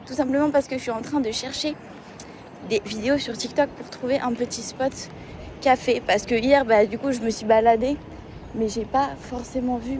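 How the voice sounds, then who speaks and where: A young woman with a slightly high voice talks casually into her phone while walking outdoors. She rambles and thinks aloud in a loose, chatty way. Traffic and street noise run clearly under her voice. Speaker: vlogger. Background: urban street ambience with vehicles.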